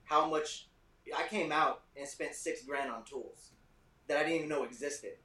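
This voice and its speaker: A man's voice: on the high side, normal speed, sharp tone, far from the mic. A man, a repair tech guest, talking eagerly in a casual podcast chat and checking that he is understood. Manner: eager, keeps checking in with "you know what I mean". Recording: roomy, off-mic, faint hiss.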